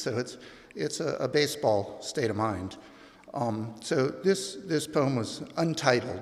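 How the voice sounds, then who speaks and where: Audible room echo surrounds a man speaking at a medium pitch. He talks at a fairly slow pace with lively intonation. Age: 60s. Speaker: poet reading at a memorial. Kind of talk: memorial reading and remarks. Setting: church with audience. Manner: halting, many fillers.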